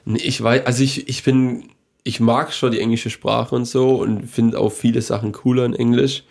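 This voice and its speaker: A man's voice: mid-range voice, level tone, moderate pace, gravelly, a little mellow. A young man co-hosting a podcast, rambling and opinionated in casual chat, swearing freely. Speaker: podcast co-host.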